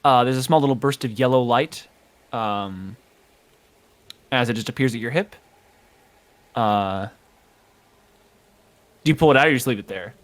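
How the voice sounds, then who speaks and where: A man's voice: mid-range voice, normal speed, long pauses. A man narrating as game master of a tabletop game, hesitant and full of filler words. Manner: hesitant, full of ums and kinda.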